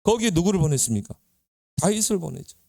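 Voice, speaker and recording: A man who is a pastor, giving a lively, conversational sermon to young people and telling Bible stories with questions to his listeners. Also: high voice, fast, creaky, dry recording, clean studio sound. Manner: lively storytelling, acting out Bible characters. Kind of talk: sermon to youth.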